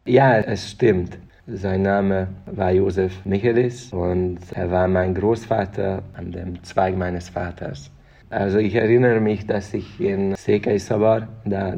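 Deep gravelly man. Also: warm tone, lo-fi sound. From Hungary. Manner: earnest, repeats words while searching for phrasing. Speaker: interviewee. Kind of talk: thoughtful personal interview answers.

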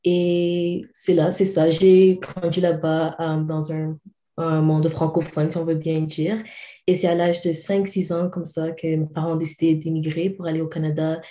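A woman's voice: deep voice, level tone, normal speed, mellow, reverberant. A young woman from Cameroon, a podcast guest talking casually and mixing English words into her French. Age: young adult. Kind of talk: casual interview conversation.

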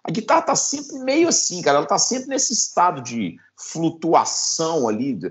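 A man in casual conversation about guitars, animated and swearing, often restarting his sentences. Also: a little high, moderate pace. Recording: dull lo-fi sound.

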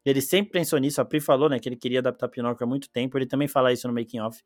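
Fast-talking Brazilian man, animated podcast host. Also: mid-range voice, no echo, studio quality. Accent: Brazilian Portuguese. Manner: animated, slangy, exclaims often. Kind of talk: casual film review chat.

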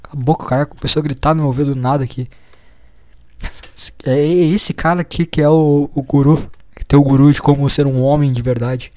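A man's voice: on the high side, steady tone, a little fast, warm tone, no room sound. A man giving casual reaction commentary, mocking and exasperated, swearing often. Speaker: video commentator.

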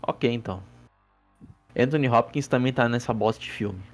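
A Brazilian man hosting a podcast in a sarcastic, rambling way, swearing freely and restarting his sentences. His voice sits in the middle range. Soft background music plays under him. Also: mid-range voice, normal speed. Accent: Brazilian Portuguese. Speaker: podcast host. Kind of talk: casual podcast movie review. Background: faint background music.

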